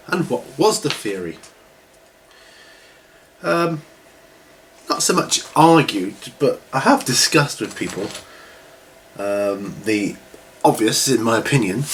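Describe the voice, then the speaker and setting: This is the host of a hobby Q&A video series, a middle-aged man with a mid-range, fairly bright voice, talking to camera in a loose, rambling way. He's recovering from a cold, with some congestion and a cough, and the home setup picks up obvious noise.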